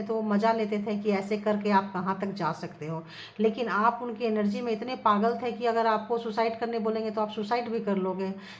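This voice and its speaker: A woman giving a casual tarot reading to her viewers, earnest and repetitive, softly chanting her requests to the cards. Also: mid-range voice. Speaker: tarot reader. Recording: echoey room with faint ambient noise.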